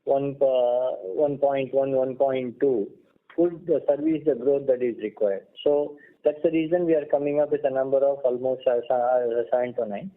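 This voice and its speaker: A man with an Indian accent answering analysts as a company executive on an earnings call, explaining in a halting way. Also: medium pitch, fairly even intonation. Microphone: telephone conference line. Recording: muffled phone-line conference call audio.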